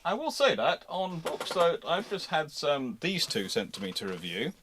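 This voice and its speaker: Man hosting a casual livestream, halting delivery. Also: a little high, sing-song, noisy background. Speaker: host of a naval history livestream. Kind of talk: casual live question-and-answer talk.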